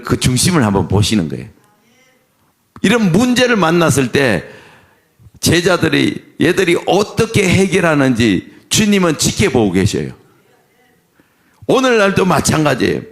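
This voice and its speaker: Man, middle-aged pastor, sermon, lively rising and falling pitch, questions to the pews. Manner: animated preaching, asks the congregation questions.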